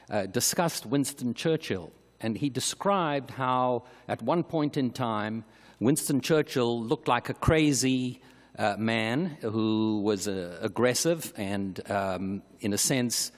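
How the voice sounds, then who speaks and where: A man speaking as a professor at a conference, hesitant and halting as he searches for words in an academic talk. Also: medium pitch. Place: large conference hall. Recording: echoey hall, long reverb.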